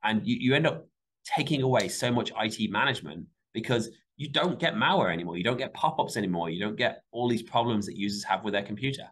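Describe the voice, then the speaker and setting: A man with a Michigan accent, a company CEO answering interview questions in an animated way. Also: breathy edge. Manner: animated, quick pitch jumps when stressing points. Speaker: CEO and guest.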